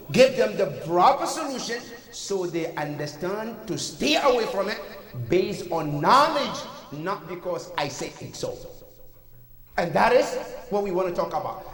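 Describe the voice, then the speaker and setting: Brief: a man from Africa preaching a mosque sermon with a high voice, heard from far off in a long, ringing hall. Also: a bit bright. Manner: earnest, preaching with rhetorical questions. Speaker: imam. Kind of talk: Friday sermon.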